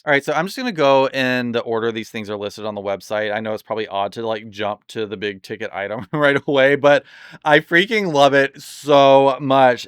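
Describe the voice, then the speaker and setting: A man chatting casually and enthusiastically in a product review, rambling with lots of fillers, his voice slightly hoarse from overuse. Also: medium pitch, a bit bright, dry recording, studio quality. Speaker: doll collector reviewing products.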